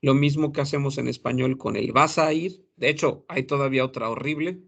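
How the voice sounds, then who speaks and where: A man teaching a class, explaining slowly and repeating example phrases aloud. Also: medium pitch, steady tone, creaky. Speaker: French teacher for gastronomy students. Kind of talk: classroom lecture.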